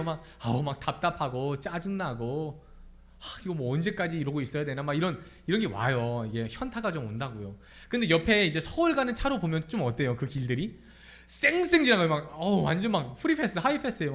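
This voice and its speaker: Casting: young male preacher, lively sermon delivery with a high, expressive voice. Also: brisk. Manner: animated, asks the congregation many questions. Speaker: pastor. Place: church sanctuary.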